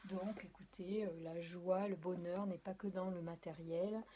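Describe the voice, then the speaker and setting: A woman with a fairly low, dark voice gives a casual spoken tarot reading, speaking directly to her viewers at a measured pace with fairly even intonation. She is hesitant, full of fillers, restarts and apologies. The recording has its highs cut off, and she reads tarot and oracle cards.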